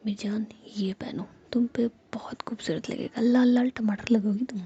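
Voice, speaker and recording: A woman's voice: a little high, steady tone, moderate pace, warm tone, husky. A woman voicing an affectionate young woman who scolds lovingly, all in a whisper. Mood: fond. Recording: dull lo-fi with faint hiss.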